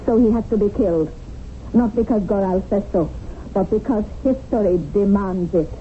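A woman's voice: mid-range voice, moderate pace, lightly acted. An actress playing a fervent, unyielding woman revolutionary in a radio drama, speaking in an earnest, insistent, rhetorical way. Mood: fervent, persuading. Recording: narrow-band, noisy old radio broadcast.

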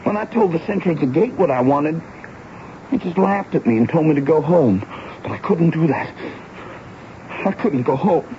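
A man acting an earnest, pleading teenage runaway boy, emotional and halting, in a 1970s radio drama. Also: fairly high pitch, lively intonation, natural voice. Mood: insistent. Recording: dull, noisy vintage radio broadcast.

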